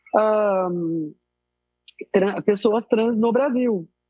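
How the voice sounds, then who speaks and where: This is a woman's voice at a fairly high pitch. Her pitch varies in an ordinary way. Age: 70s. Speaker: futurist speaker. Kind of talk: podcast interview. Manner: animated.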